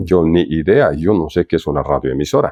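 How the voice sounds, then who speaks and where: Speaking with a Cochabamba Bolivian accent, a man uses a dark, mellow tone and lively intonation in a dry, close recording with no echo. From Bolivia, Arani, Cochabamba valley. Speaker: radio broadcaster. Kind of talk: interview. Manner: conversational, storytelling.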